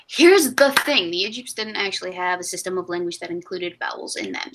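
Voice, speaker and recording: A woman's voice: medium pitch, creaky, pushed and bright, poor audio. A woman in her twenties hosting a casual live stream, rambling and laughing at herself. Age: 20s. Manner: giggly, rambling, self-mocking. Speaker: stream host.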